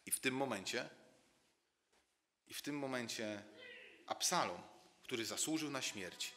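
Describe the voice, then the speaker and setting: A man's voice: mid-range voice, lively intonation, unhurried, pushed and bright, long reverb tail. A man preaching a sermon in a church, telling the story dramatically, dropping to a near-murmur and rising again, often repeating words as he builds a point.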